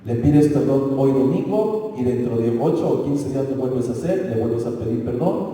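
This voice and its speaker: A pastor preaches a sermon conversationally, often pausing with rhetorical questions to ask whether his listeners follow him. His mid-range voice is dark-toned and animated at a normal pace, captured from far off in an echoey church hall.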